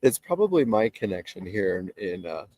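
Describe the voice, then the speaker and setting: A man hosting a live interview over a video call from outdoors, asking measured questions with many fillers, his voice nasal and stuffed up from allergies. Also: lowish voice, big pitch swings, warm tone. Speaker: host.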